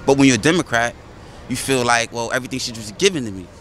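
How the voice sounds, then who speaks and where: A man's voice: mid-range voice, rapid-fire, a bit bright. A man giving his opinion casually and emphatically as a passerby on a city sidewalk. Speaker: passerby interviewee. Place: outdoors on a busy city sidewalk. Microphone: handheld interview mic. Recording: noisy busy city street with traffic.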